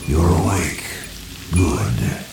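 A man voicing a calm, mocking male captor who holds someone prisoner and talks dryly. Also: rumbling low, very slow, vocal fry, background noise, voice pushed down, full character voice. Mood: coaxing. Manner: dry, taunting. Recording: echoey, distant, with rain and music. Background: rain and music.

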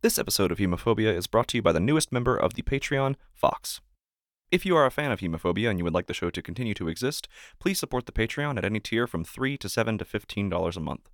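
A man reading a scripted podcast introduction and narration in a measured, formal way as host. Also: on the low side, lively intonation, dry recording, studio quality.

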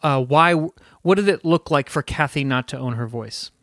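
A man's voice: mid-range voice, lively intonation, moderate pace, a bit bright, no echo, clean studio sound. A man co-hosting a podcast, talking casually with self-deprecating jokes and stammered restarts. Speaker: podcast co-host. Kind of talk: casual interview chat.

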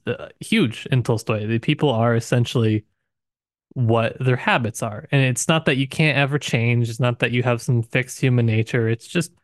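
A man's voice: mid-range voice, dry recording. Male co-host, medium register, informal and reflective literary chat, close dry sound. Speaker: podcast co-host. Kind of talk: casual literary discussion.

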